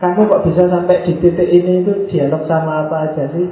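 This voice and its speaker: A man gives a casual philosophy lesson, teasing his listener and slowing down to stress key words. His voice sits a little high. The recording is tinny and phone-like, with heavy room echo. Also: steady tone. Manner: casual, teasing explanations with slow emphatic stretches. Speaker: philosophy teacher.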